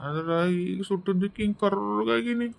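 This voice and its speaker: A woman's voice: mid-range voice, moderate pace, vocal fry, slight background noise. Burnt male ghost, sad and pleading, North Karnataka Kannada accent, voiced by a woman. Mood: plaintive. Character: male ghost, burnt black, newcomer, self-pitying. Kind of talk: cartoon voice acting.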